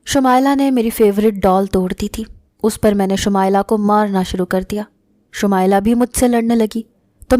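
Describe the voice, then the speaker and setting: Woman narrating, dark and mellow. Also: medium pitch, no room sound, studio quality. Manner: steady, solemn storytelling. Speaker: story narrator. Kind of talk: scripted first-person narration.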